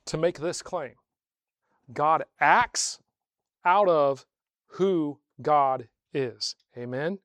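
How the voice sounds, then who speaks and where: A man's voice: fairly high pitch, no room sound. Emphatic male preacher, dry close sound. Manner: emphatic preaching with rhetorical questions; swells louder on key phrases, slows for emphasis. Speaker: pastor. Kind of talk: sermon.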